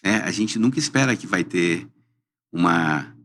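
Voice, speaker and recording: A man speaks as a guest on an interview podcast. His voice is somewhat low, and his delivery is measured and earnest. He answers in calm, careful phrases. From southern Brazil. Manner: measured, earnest, often says "perfeitamente". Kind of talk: interview chat.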